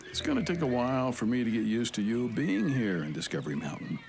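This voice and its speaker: A man's voice: mid-range voice, very animated, fast talker, gravelly. An actor playing a kindly, folksy, easily flustered man of faith in a children's radio drama, hesitant and earnest. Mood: amiable.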